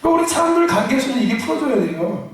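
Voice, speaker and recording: A male pastor preaching a fiery sermon to his congregation, shouting out calls for a response and slipping into joking asides. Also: extremely high pitch, big pitch swings, racing. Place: large church sanctuary. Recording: echoey church hall from far off.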